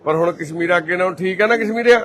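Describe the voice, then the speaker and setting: A man from Punjab, India, the volunteer host of a care society, walking through a care centre and gently reassuring patients and their families. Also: high-pitched, very fast, slight background noise. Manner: gentle and reassuring, calls people mother and brother. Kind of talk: casual on-camera walkthrough talk.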